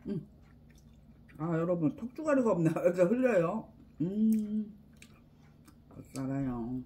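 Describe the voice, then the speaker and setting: A woman's voice: fairly low pitch, lively intonation, a little slow, warm tone. A woman hosting a home eating video, chewing food while she talks casually to her viewers. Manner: chatty, addresses viewers often. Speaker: mukbang host. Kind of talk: casual eating broadcast chat. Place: at home indoors.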